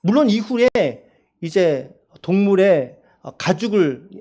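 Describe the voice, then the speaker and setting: Animated male pastor questioning his flock. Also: high-pitched. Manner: asks the congregation questions, reads scripture slowly. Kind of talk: sermon. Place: church sanctuary.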